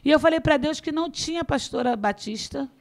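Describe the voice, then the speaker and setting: A middle-aged woman pastor telling her testimony in a podcast interview, lively and acting out the dialogue, often laughing. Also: high-pitched, a little fast. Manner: animated storytelling, acts out dialogue, laughs often.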